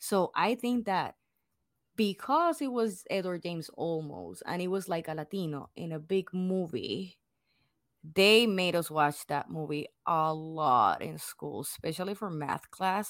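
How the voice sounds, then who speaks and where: At a fairly slow pace, a woman with a Puerto Rican accent speaks at fairly low pitch with ordinary pitch variation. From Puerto Rico. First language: Spanish. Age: 40s. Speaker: reality TV contestant. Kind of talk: casual interview. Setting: remote call. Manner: deliberately thick accent.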